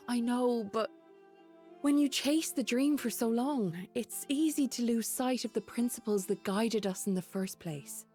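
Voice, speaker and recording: An actress playing a gentle, thoughtful female mage in a fantasy game, speaking in a reflective way. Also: a little high, unhurried, faint music behind, natural voice. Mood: pensive, doubtful.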